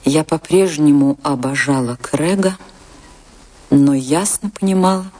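A woman's voice: sits low, measured pace. An actress playing a passionate woman dancer recounting a stormy love affair in a confessional, theatrical radio play manner. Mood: sorrowful, resigned. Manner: theatrical, confessional, emotionally expressive. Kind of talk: dramatic radio play monologue and dialogue.

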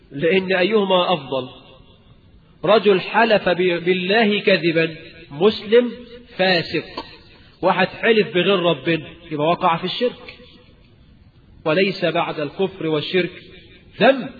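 A man with an Egyptian Arabic accent giving a colloquial religious lecture, asking the audience rhetorical questions and rising in emphasis. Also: sits high. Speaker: preacher. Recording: dull lecture-hall recording with long reverb.

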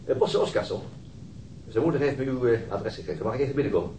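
An actor playing a weary, hesitant, middle-aged police detective in a naturalistic radio drama. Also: male voice, mid-range voice, lively intonation, fast, dark tone, slight background noise, close to an everyday voice, low-quality recording. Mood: reserved, polite. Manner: hesitant, understated. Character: weary, terse male police detective and father.

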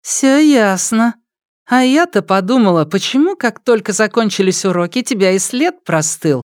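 A shrill, scornful teenage girl, put on by a male narrator, spits mocking insults in a high, swooping voice that leaps all over its range. She sounds spoiled and furious. The dry, close recording keeps every sneer in your ear. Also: expressive, moderate pace, no room sound. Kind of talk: audiobook character voice.

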